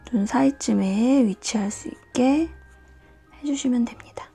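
A woman hosting a nail art and drawing tutorial, talking calmly step by step and often dropping to a whisper. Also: on the high side. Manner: calm, slow, often drops to a whisper. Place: indoors at a desk, hands on camera.

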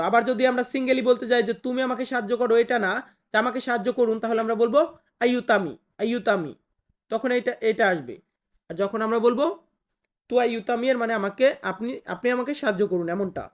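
A woman teaching a casual spoken language lesson, who explains patiently, repeats phrases slowly and answers imagined objections in a chatty way. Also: on the high side.

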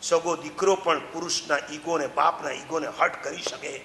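Bright, high-voiced man preaching. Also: normal speed, slight background noise. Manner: animated, addresses listeners directly. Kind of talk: sermon storytelling. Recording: echoey hall, faint ambience.

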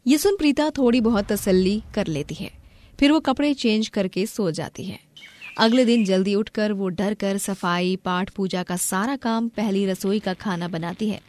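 A woman's voice: mid-range voice, darkish tone, dry recording. A woman with an Indian accent giving scripted story narration.

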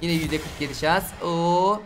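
Fast-talking excitable young gaming host. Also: male voice, sits high, faint music behind. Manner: excitable, exasperated, swings between groans and shouts; addresses viewers directly. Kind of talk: gameplay commentary.

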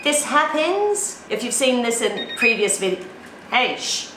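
A woman's voice: on the high side, sing-song, slow pace, a bit bright, roomy sound, a little hiss or hum, rough recording. A woman in her forties with a New Zealand accent, a lifestyle vlogger chatting to camera while cooking at home. She sounds tired, upbeat and chatty, and laughs often. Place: home kitchen, indoors.

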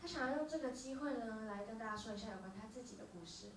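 Woman interpreting on stage, talks fast with little ums, far off mic, really echoey room. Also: a little high, animated, noisy background. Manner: quick, with filler hesitations. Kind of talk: live consecutive interpreting. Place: small dark music venue. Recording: roomy venue, from far off.

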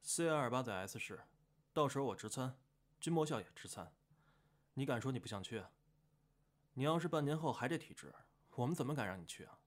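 A man's voice: medium pitch, lively intonation, brisk, pauses often, natural voice. A man playing a laid-back, caring young man who coaxes with mild exasperation in an amateur radio drama. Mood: coaxing. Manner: coaxing, casual.

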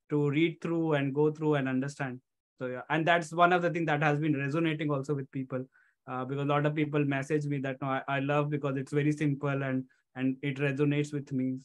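Male guest coach, 30s, Indian accent, fairly high pitch, conversational interview delivery with repeated emphatic phrases. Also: muffled recording. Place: home room on a video call. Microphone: headset.

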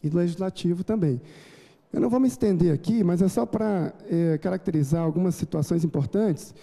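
Brazilian male speaker, 30s, dark mellow tone, halting conference talk on a handheld mic. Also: high voice, vocal fry. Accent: Brazilian Portuguese. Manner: measured, many hesitations and restarts. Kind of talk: formal conference lecture. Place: large auditorium, indoors. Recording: auditorium reverb.

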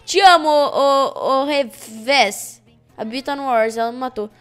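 A young woman from São giving excitable, chatty gameplay commentary and teasing her opponents. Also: high voice, measured pace, smooth, soft background music. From Brazil. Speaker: gaming YouTuber.

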